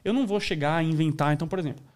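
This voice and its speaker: Animated, high-voiced man in casual chat. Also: rapid-fire. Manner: animated storyteller, acts out voices; says "né" and "daí" a lot.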